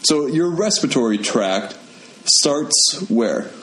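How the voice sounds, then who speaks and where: A young man co-hosting a podcast, explaining in a relaxed way with many fillers. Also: mid-range voice, slow. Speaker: podcast host. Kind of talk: casual chat and explaining. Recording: echoey room with faint music.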